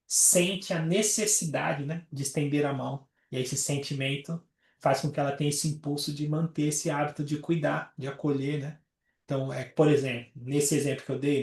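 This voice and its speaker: A man leads a study group on a call and teaches in a relaxed, chatty way. His voice sits a little high. He is heard from a distance in a roomy, echoing space. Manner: explains with everyday examples, many fillers like "né". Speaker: astrologer leading a study group. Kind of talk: casual teaching talk.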